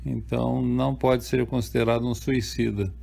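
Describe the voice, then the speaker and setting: An older male author with a Brazilian Portuguese accent calmly answers interview questions, explaining things at a measured pace. His voice is mid-range and creaky.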